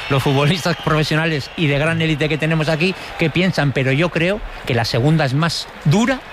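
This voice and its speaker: A man's voice: fairly high pitch, brisk. Emphatic football pundit man, noisy background. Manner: emphatic, restarting sentences.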